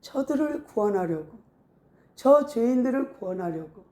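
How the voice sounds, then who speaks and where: A woman pastor preaching a sermon in a lively storytelling way, often acting out voices, in a casual spoken style mixed with preaching. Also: on the high side, normal speed. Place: church. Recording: echoey room.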